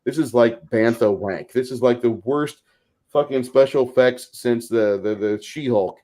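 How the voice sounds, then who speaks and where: A man's voice: mid-range voice, a little slow, warm tone. Emphatic man in casual panel chat. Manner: foul-mouthed, emphatic. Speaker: podcast panelist. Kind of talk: casual opinionated panel chat on tabletop gaming.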